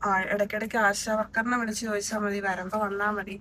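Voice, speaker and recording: A woman's voice: medium pitch, level tone, fast talker, pushed and bright. A woman in casual family talk, explaining things in a plain, matter-of-fact way.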